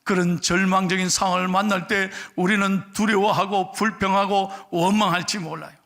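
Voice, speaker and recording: Speaking in a high-pitched voice at a moderate pace, a middle-aged pastor preaches with lively delivery, acting out complaints and guiding the scripture reading.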